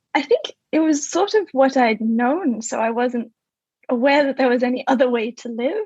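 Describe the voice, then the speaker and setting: A woman speaks in an Australian accent with a high pitch and lively intonation. Her pace is moderate. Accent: Australian accent, noticeable. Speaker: podcast guest. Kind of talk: interview.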